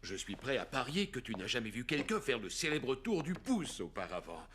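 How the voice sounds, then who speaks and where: A man's voice: mid-range voice, big pitch swings, moderate pace, a bit bright, slight background noise. A man playing a jolly, playful old grandfather in a French-dubbed children's cartoon, theatrical in his delivery. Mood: playful showmanship.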